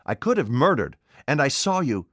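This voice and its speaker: A man's voice: mid-range voice, big pitch swings, moderate pace, a bit bright, no echo, clean studio sound, pitched above the performer's own voice. A man voicing an invisible man in an audiobook, speaking in a curt, imperious, cold way. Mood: intense. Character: commanding, desperate invisible man, adult male. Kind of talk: audiobook character voice.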